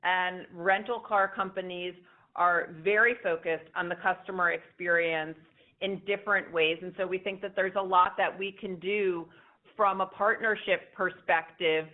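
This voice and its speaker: A woman speaking as a company executive, answering questions on an earnings call in emphatic corporate phrasing. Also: lowish voice. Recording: tinny phone-line conference call.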